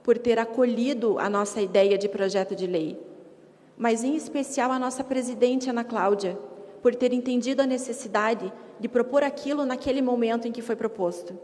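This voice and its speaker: High-voiced woman speaking in an echoey hall. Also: normal speed, darkish tone. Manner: rhetorical, emphatic repetition in short phrases. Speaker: advocate addressing city council. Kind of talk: formal advocacy speech. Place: council chamber.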